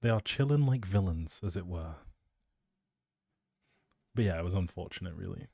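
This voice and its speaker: A man's voice: deep voice, lively intonation, normal speed, vocal fry, warm tone, breathy edge, dry recording. A man chatting casually as a live streamer, rambling in a playful, self-deprecating way into a close microphone.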